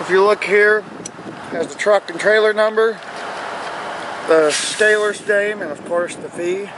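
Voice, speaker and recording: Fairly slow speech with a dry, echo-free sound and noticeable background noise. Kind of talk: casual explanatory vlog. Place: street. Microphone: phone near.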